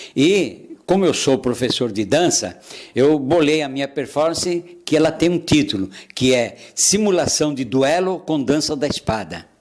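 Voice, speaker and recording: Fairly high in pitch, a man with lively intonation at a fairly slow pace over noticeable background noise. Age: 70s. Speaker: collector, artist and dance teacher. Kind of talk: interview.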